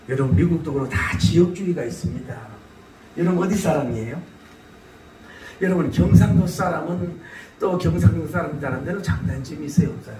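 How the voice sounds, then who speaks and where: A middle-aged male pastor preaches a lively sermon in a high voice. His pitch jumps all over as he shouts questions and laughs between points. He sounds far from the mic in a roomy, echoing hall with a faint hiss underneath. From South Korea.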